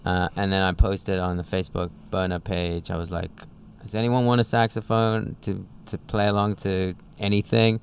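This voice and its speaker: Deep, flat-voiced man explaining. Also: moderate pace, hardly any pauses, slight background noise. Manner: explains in long, flowing run-on sentences. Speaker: co-founder of a music school. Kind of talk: casual podcast chat.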